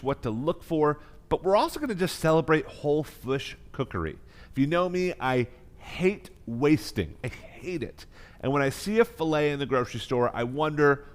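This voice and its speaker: An American man hosting a live online cooking class as chef instructor, speaking with effusive, emphatic enthusiasm. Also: mid-range voice. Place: kitchen.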